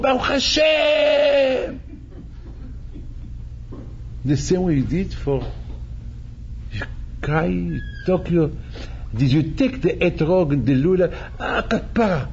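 A man's voice: sits high, expressive, slow pace, pauses often, lo-fi sound, slight background noise. An older man, a rabbi, preaching animatedly, repeating phrases and acting out quotes, speaking into a stand mic in a synagogue hall. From Morocco. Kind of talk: sermon. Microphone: stand mic at chest.

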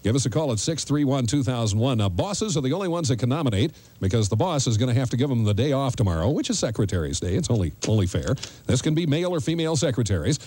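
Fast-talking male radio DJ. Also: mid-range voice, big pitch swings, warm tone, husky. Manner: wry, joking, folksy. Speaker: morning radio DJ. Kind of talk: live radio show banter. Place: radio studio. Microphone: studio boom microphone with headset.

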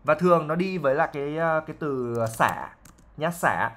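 A man's voice: fairly high pitch, lively intonation, normal speed, fairly bright tone. A man, an English teacher patiently explaining a novel line by line, with fillers and frequent checks for understanding.

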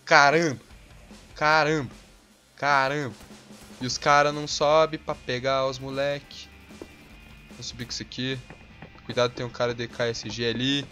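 A young Brazilian man with a Brazilian accent giving hot-tempered gameplay commentary, swearing and bursting into yells. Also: medium pitch, flat delivery, moderate pace, soft background music. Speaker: gaming channel host.

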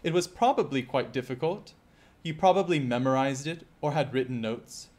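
A male IELTS teacher giving a scripted lesson, speaking clearly and measuredly and putting rhetorical questions to the viewer. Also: mid-range voice, normal speed, over music.

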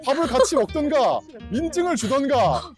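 High-voiced, animated man vlogging outdoors. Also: moderate pace, over music. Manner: playful teasing, excitable. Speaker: YouTuber hosting a live outing. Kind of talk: casual vlog chat. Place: outdoors at a folk village.

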